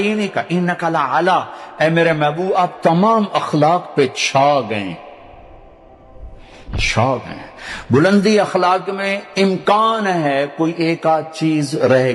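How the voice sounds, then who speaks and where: An older man from Pakistan with a Punjabi accent, preaching a sermon and telling stories, dropping low to recite Arabic verses. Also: big-room sound. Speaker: Islamic preacher.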